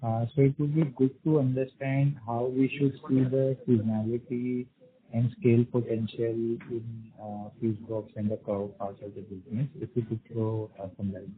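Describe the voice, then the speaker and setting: A man with an Indian accent speaks over a thin, narrowband phone connection. He puts questions like a financial analyst on a results call, feeling his way haltingly through each phrase. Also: mid-range voice, little pitch movement, crowd noise. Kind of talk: spontaneous business questioning. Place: conference call. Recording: tinny narrowband phone line.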